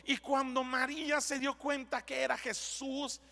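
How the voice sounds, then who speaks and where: A man preaching a language sermon as a pastor, reading scripture slowly and building to emphatic declarations. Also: very high voice, flat delivery, gravelly, bright, forceful tone. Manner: reads scripture slowly, then preaches with rising intensity. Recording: long church hall reverb.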